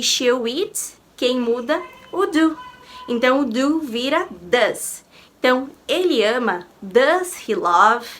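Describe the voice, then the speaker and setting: A Brazilian woman teaching English grammar in an online lesson, explaining patiently and repeating each point with rhetorical questions. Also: on the high side. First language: Portuguese.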